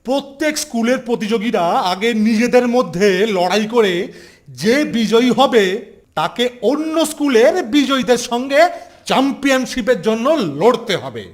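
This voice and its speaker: A man's voice: very high-pitched, expressive, normal speed. A man voicing a strict, commanding schoolteacher in a children's cartoon, speaking in a stern, emphatic way. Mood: brisk, instructing. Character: strict, commanding adult male school teacher. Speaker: cartoon voice actor. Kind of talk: Bengali children's cartoon dialogue.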